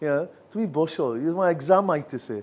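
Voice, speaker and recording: Fast-talking older English man. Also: fairly high pitch, darkish tone. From England. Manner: chatty and joking, filler-heavy, switching between English and Bengali. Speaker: visiting education counselor and professor. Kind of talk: informal talk to students.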